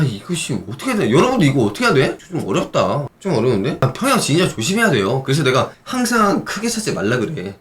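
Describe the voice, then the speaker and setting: A man who coaches swimming, chatting casually on a live stream, reading viewer comments aloud, counting out kicks and swearing now and then. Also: mid-range voice.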